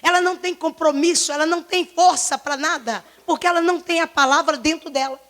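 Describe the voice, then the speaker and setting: A woman pastor in her forties with a Brazilian Portuguese accent, preaching a fervent sermon in a church, her voice slightly hoarse, repeating herself and firing rhetorical questions. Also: high voice, fairly quick, fairly bright tone. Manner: impassioned, repetitive, many rhetorical questions. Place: church service.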